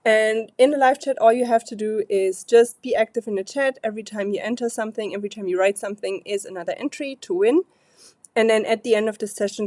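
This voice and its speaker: A woman with a stuffy, congested voice hosts a live card-making stream in a chatty, loosely paced way, clearing her throat now and then. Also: medium pitch, darkish tone, dry recording. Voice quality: frequent throat clearing and fillers. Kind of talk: casual live-stream chat.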